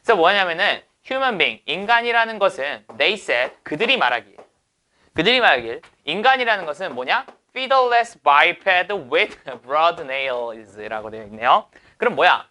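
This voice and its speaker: Lively, bright-voiced male teacher. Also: a little high, measured pace. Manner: asks rhetorical questions and answers them. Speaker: English teacher. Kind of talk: lecture explaining exam passages.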